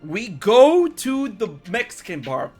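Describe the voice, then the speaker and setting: A young American man hosting a podcast, telling a story in casual chat and acting out quotes with sudden loud jumps. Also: extremely high pitch, wildly swooping pitch, slow, loud music behind the voice. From United States. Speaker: podcast host.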